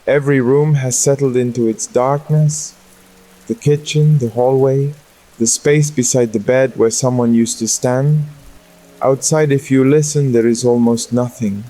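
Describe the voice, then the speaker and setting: A man narrating a scripted Christian sleep meditation, slowly and gently, with deliberate pauses. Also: medium pitch, fairly even intonation, poor audio. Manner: slow, gentle, unhurried delivery with deliberate pauses. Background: music and rain.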